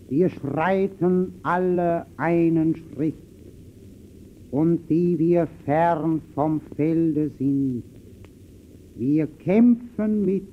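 An actor playing a solemn, declaiming narrator of the Great War in an early German radio drama, stately and emphatic. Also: male voice, a little high. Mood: solemn, mournful. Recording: muffled scratchy early radio recording with music.

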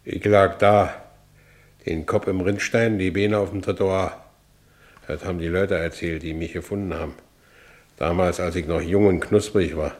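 Radio drama lead: male actor as a maimed ex-convict, deep voice, blunt wry storytelling, German accent. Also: fairly even intonation, moderate pace, darkish tone, natural voice. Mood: grim, wry. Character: battered, one-armed Berlin ex-convict telling his own story. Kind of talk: first-person radio play narration.

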